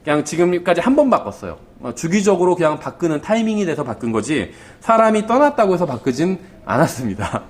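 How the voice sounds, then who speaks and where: Animated, high-voiced male pastor preaching. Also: a little fast, hardly any pauses. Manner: conversational, asks the congregation questions; acts out quoted lines of the father and son. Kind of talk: sermon.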